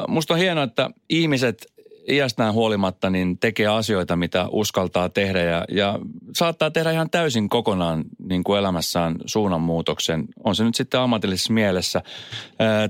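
A man hosting a casual morning radio chat, musing aloud in a halting way with many fillers. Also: fairly low pitch, expressive, dry recording, studio quality. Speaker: radio host. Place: radio studio.

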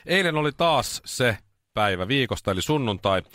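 A man's voice: mid-range voice, loud music behind the voice. A man co-hosting a morning radio show, chatting casually and running through a list. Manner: lively, lists items like a game host.

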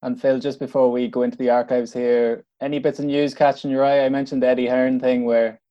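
A man hosting a sports interview, asking measured, conversational questions. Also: medium pitch, level tone, highs cut off. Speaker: radio host.

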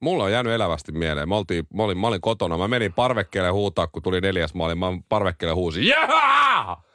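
A middle-aged man hosting a morning radio show in casual, lively chat. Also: sits low, dry recording, studio quality. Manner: lively, chatty, quick back-and-forth. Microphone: studio microphone.

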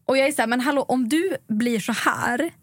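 A young woman co-hosting a casual podcast, telling a story with lively acted-out quotes. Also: sits high, no room sound. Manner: animated storytelling, acting out quotes. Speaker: podcast co-host.

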